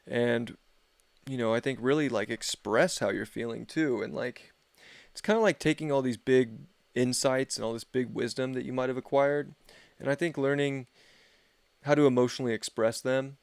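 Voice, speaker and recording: Gravelly laid-back man reading astrology. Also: mid-range voice, fairly even intonation, normal speed, dry recording. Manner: rambling, filler-heavy, laid-back. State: losing his voice. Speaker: astrology reader. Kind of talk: casual livestream forecast.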